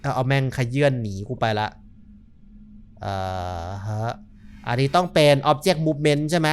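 A young man talks through a horror game in loose, casual commentary. He is excitable, swears freely and yelps when startled, and his voice swings widely in pitch. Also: unhurried, slight background noise. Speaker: gaming YouTuber. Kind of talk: casual let's-play commentary.

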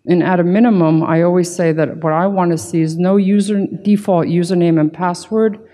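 A middle-aged woman with a low, soft-edged voice presents at a conference podium. She explains in an informal but emphatic way, and the big hall adds a long reverb around her words. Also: fairly even intonation, brisk. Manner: emphatic, informal, peppered with "right" and "you know". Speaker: conference keynote speaker, security consultant. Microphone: podium gooseneck microphone.

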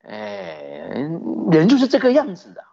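A man who is a Buddhist teacher, giving a sermon with lively storytelling and rhetorical questions. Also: sits high, a little slow. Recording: dull lo-fi recording.

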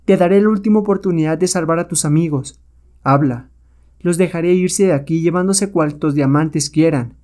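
A man's voice: a little high, moderate pace, a little mellow, close to an everyday voice. A man voicing an imperious, threatening white witch who rules a savage jungle, in a comic-book story. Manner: commanding, threatening.

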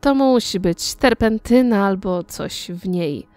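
A woman reading a sharp-tongued young model. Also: mid-range voice, animated, takes it slowly, no echo, soft background music. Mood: scolding. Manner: scolding, outspoken. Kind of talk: audiobook reading.

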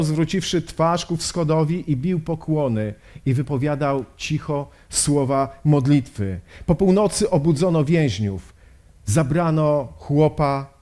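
A man's voice: a little high, mellow. A male pastor giving a sermon lecture, telling a story solemnly and posing rhetorical questions. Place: lecture at a health exhibition.

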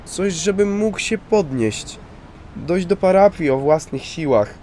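A man's voice: high-pitched, expressive, slow pace, darkish tone, slight background noise, voice pushed up. A man voicing a desperate older priest who begs in a breathless, pleading way.

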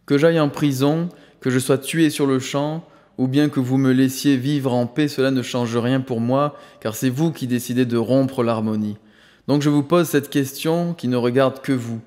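A man voicing a calm, commanding male spiritual master who speaks solemnly and firmly. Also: medium pitch, big-room sound, close to an everyday voice. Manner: solemn, firm and measured.

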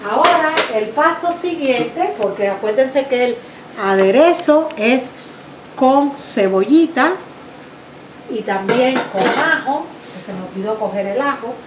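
A middle-aged Cuban woman with a Cuban Spanish accent hosts a home cooking demonstration in her kitchen, chatting warmly and using fond little diminutives. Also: high-pitched, expressive, a little slow. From Cuba. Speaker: cooking show host. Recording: roomy kitchen echo, faint background noise.

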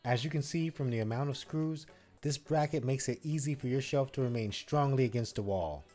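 A man walks through a DIY project step by step in a scripted voice-over. His voice sits at an ordinary middle pitch, instructive and even. Faint background music plays under him. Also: brisk. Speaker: DIY channel co-host.

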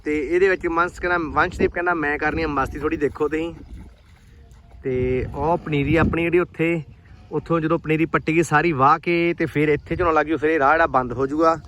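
A man from Punjab, India, chats with his viewers like friends as he vlogs from the farm fields. His voice sits a little high for a man. It comes from an outdoor phone recording, with wind and field noise clearly heard around him. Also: steady tone, brisk, a bit bright. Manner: chatty, talks straight to viewers as friends. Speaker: vlogger. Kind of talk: casual vlog chat. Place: outdoors in rural farm fields, on a motorbike and walking.

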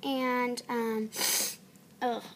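A woman's voice: on the high side, flat delivery. A young woman with a runny nose, chatting casually and hesitantly in a homemade audition video. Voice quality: stuffy, runny-nosed. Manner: halting, hesitant. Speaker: amateur voice actor auditioning on video. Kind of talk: casual vlog chat. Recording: noisy home camera recording.

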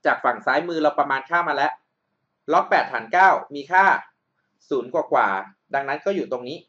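A male math tutor talks through a problem on a screen recording, patient and methodical, often checking that the listener is following. His voice sits a little high for a man. The audio is dull and lo-fi, like a cheap desktop mic. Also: expressive, a little fast, a bit bright. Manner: patient, explains step by step and checks understanding.

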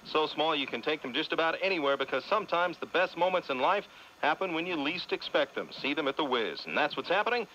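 A male sports news anchor reading a scripted update in a crisp, even newsreader manner, heard through a tinny clock-radio sound. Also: fairly high pitch, quick pace, slight background noise. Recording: dull lo-fi radio broadcast with music bed.

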